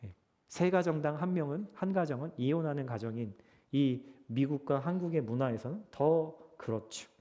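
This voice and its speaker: A male pastor giving a Sunday sermon in a church sanctuary, preaching emphatically and swinging between loud peaks and soft drops. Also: fairly high pitch, normal speed. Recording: long church hall reverb.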